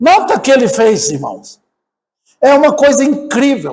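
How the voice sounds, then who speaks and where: A man talks in an extremely high voice at a fairly slow pace, with lively intonation. Audible echo fills the room. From Brazil, Bahia. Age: 60s. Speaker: pastor. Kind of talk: sermon.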